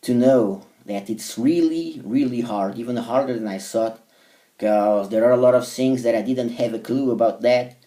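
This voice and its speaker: Portuguese-accented man, mellow and hesitant. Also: medium pitch, normal speed, far from the mic. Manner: hesitant, many fillers and restarts. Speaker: language learner vlogger. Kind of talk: casual monologue to camera.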